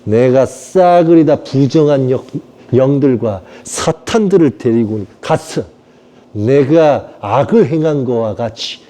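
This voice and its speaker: A man's voice: mid-range voice, expressive, takes it slowly, mellow. A man doing a solemn, declaring apostle. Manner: formal, declaring. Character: solemn male apostle declaring his mission.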